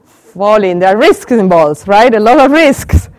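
The audio here is poor and dry as a middle-aged woman with an Argentine Spanish accent lectures a small group through a handheld mic. She poses questions and repeats the replies, her mid-range, darkish voice a little slow but lively in intonation.

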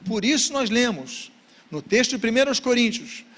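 A man's voice: extremely high pitch, sing-song, moderate pace, a bit bright. A man giving a Bible study lecture, reading scripture passages aloud and posing rhetorical questions. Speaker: Bible teacher.

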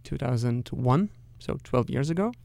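A Russian-accented middle-aged man, a company executive, explains his answers to interview questions with care and measure. His medium-pitched voice is gravelly yet mellow, with lively intonation, and the recording carries no room sound.

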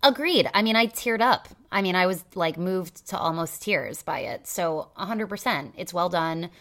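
A woman's voice: fairly low pitch, animated, normal speed, a bit bright. A woman co-hosting a podcast, talking casually with many fillers in a cynical, hedging way. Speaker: podcast co-host; teacher.

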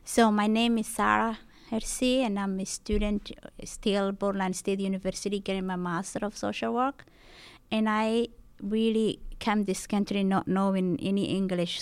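A young woman, a graduate student, giving a panel presentation in halting non-native English. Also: medium pitch, clean tone, no echo. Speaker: panel speaker, social work student.

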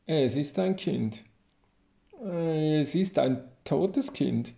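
An earnest, bewildered young friar, read by a man, in a storybook scene. He asks question after question at a slow pace. The recording is roomy and slightly dull. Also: on the high side, expressive, vocal fry, warm tone, heavily acted.

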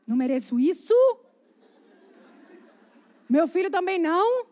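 Woman preacher, high voice, animated and chatty storytelling sermon. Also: unhurried, a faint crowd. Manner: animated, chatty, addresses the congregation directly.

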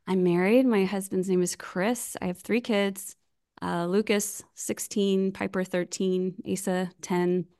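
An American woman in her forties, chatting casually as a podcast guest over a video call, self-deprecating and quick to laugh. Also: medium pitch, steady tone, darkish tone. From United States. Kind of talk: casual remote interview chat.

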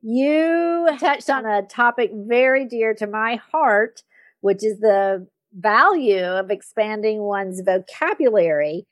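A woman coach hosting a podcast interview, recorded close and dry with no room sound. She listens attentively, affirms often, and asks measured, thoughtful questions. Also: medium pitch, no room sound. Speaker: host and executive communication coach.

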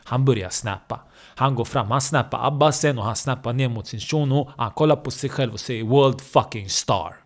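Profane man telling a comic story. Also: mid-range voice. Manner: profane, animated, checks in with the listener. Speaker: comedian.

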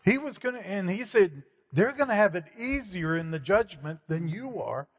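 With a high, lively voice at normal speed, this male guest speaker delivers a conversational sermon in an emphatic, preacherly style full of fillers. Hall reverb colors the recording.

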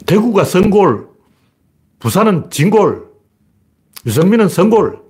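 Male pundit, husky voice, lively swings in pitch, sarcastic casual delivery. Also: unhurried. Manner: sarcastic and mocking, with scoffing asides and short laughs. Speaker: political commentator. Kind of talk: casual spoken commentary.

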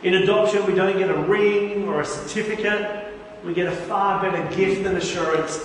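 A man's voice: sits high, steady tone, moderate pace, far from the mic, a little hiss or hum. Man preaching in an echoey hall. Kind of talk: sermon. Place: large church hall.

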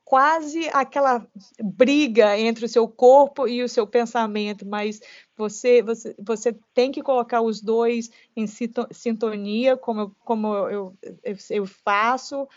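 A Brazilian woman in her late forties with a Brazilian Portuguese accent, a trail runner talking as a guest. She speaks in animated bursts with many restarts. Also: a little high, measured pace, no room sound. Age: late 40s. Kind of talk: casual interview conversation. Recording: dull lo-fi podcast audio.

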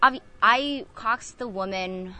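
Bright-voiced young woman, filler-heavy. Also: on the high side, a little slow. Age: young adult. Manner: lots of um fillers, chatty and upbeat. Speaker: coxswain on a college rowing team. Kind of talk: interview answers.

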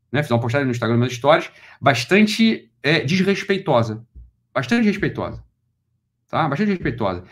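A man with a Brazilian Portuguese accent who lectures on philosophy. He delivers a heated monologue and often repeats his points for emphasis. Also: medium pitch. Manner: rapid, repeats himself for emphasis.

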